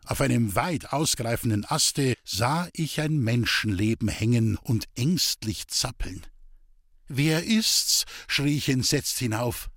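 Male narrator, scripted literary reading, tender and direct, dry husky tone. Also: mid-range voice, unhurried, hardly any pauses, a bit bright, no room sound. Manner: tender, speaks directly to the departed.

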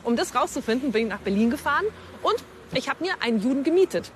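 A woman's voice: sits high, lively intonation, fast, slight background noise. A woman reporter hosting an educational piece, talking informally to viewers and interviewing a guest. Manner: chatty, informal, addresses viewers. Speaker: reporter and host.

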